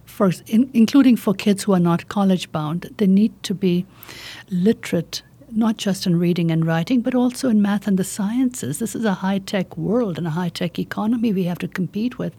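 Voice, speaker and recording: A woman in her fifties with a slight South Asian accent, answering as a political candidate in an interview, earnest and deliberate in short phrases. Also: medium pitch, warm tone, breathy edge. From India and Pakistan. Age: 50s.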